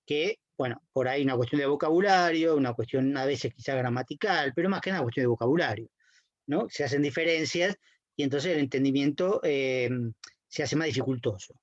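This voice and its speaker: A man's voice: medium pitch, brisk, no echo. Male lecturer, patient explainer, dull and dry lo-fi recording. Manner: explanatory, checks in with "¿sí?" and "¿no?". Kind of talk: university lecture.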